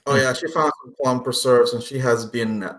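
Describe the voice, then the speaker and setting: A man's voice: mid-range voice, fairly even intonation, normal speed. A man narrating a tabletop game casually as game master, in a playful, jokey manner. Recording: roomy echo, music behind.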